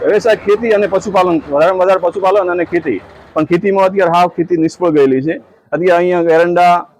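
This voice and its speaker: A man speaks in a high pitch with very even loudness. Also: fairly even intonation. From Suigam taluka, Banaskantha, north Gujarat. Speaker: villager and farmer. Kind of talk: on-site interview.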